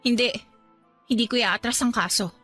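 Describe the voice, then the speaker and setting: Bright-voiced, defiant young employee. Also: female voice, a little high, moderate pace, soft background music. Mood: angry, defiant. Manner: indignant, polite but assertive. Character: wronged, defiant young female employee and student. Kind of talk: Tagalog radio drama acting.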